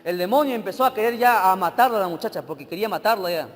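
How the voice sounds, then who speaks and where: Dramatic high-voiced preacher in a reverberant hall. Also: male voice, lively intonation, very fast. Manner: dramatic, swinging between loud emphasis and hushed narration. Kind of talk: sermon storytelling. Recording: church hall with long reverb, faint music.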